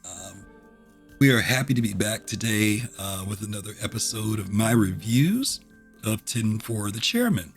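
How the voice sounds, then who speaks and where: A middle-aged man chatting casually as a streamer reviewing a game show, full of ums and throat clears, his voice a little rough. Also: fairly low pitch, animated, normal speed, soft background music. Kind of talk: casual livestream chat.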